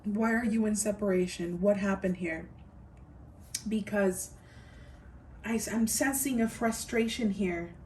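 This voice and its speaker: Woman doing a tarot reading, slow and drawn out, sits a bit back from the mic, faint hum behind. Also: mid-range voice, darkish tone, recorded from a distance. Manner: musing, repeats phrases, addresses viewers directly. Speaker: tarot reader. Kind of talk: pick-a-card tarot reading.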